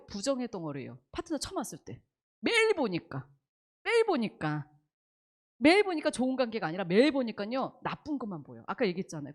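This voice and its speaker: A woman lectures a seminar audience in a fairly high voice that swoops up and down with lively energy. She throws out rhetorical questions and acts out snippets of dialogue as she makes her points. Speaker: business seminar speaker.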